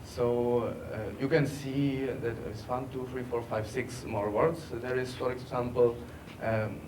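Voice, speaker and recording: A man giving a technical workshop presentation, halting with many fillers. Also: mid-range voice, little pitch movement. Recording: distant mic, background noise.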